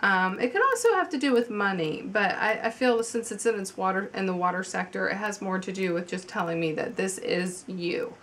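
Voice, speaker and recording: Woman with a cold, mid-pitched, reading tarot at home; casual, halting, lots of ums. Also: fairly bright tone. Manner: chatty, halting with many ums and restarts. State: has a cold, slightly congested. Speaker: tarot reader.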